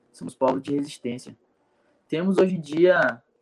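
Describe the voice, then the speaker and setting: The sound is dry and close, without any echo. His pitch varies in an ordinary way, and the speaker is a man. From Brazil, southern Bahia, Pataxó people. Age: 20s. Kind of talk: panel talk.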